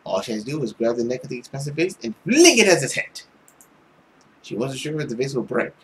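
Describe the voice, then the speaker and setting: A man's voice: medium pitch, sing-song, a little fast, fairly bright tone, a little hiss or hum. A young man reading a visual novel aloud as a let's play host, reacting in a playful, exclamatory way. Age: young adult.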